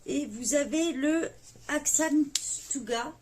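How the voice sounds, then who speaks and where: Soft-spoken French woman, hesitant and earnest. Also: high-pitched, slow. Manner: hesitant, many fillers, gentle and earnest. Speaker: YouTube coloring channel host. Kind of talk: casual video address to viewers.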